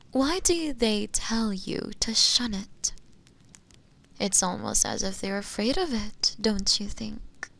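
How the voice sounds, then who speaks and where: Woman doing a yandere witch for audio rp, slow n creaky, breathy, sweet but menacing, coaxing you close. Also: medium pitch. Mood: whispering, seductive. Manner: slow, coaxing, breathy murmurs slipping into whispers. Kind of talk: intimate audio roleplay addressed to the listener.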